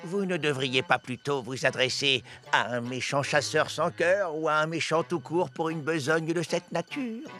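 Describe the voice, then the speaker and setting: High-voiced hesitant magic mirror. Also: male voice, normal speed, few pauses, bright, forceful tone, faint music behind. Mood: cheeky, hesitant. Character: hesitant, cheeky talking magic mirror in a cartoon play. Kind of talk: French cartoon dub acting.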